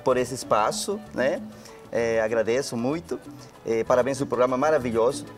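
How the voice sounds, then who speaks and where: A middle-aged Peruvian man, a native Spanish speaker with a marked accent, answers on a handheld mic in a bright TV studio. His speech is mid-pitched, courteous and halting, full of little "eh" pauses, while soft music plays underneath. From Peru. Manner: polite, hesitant, many "eh" fillers. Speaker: restaurant owner guest. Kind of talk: studio interview. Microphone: handheld microphone.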